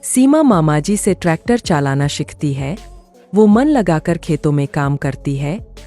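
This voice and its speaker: A woman narrates a cartoon moral story in an expressive way. Her voice is low and mellow yet moves around a lot. Soft music plays beneath. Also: a little slow.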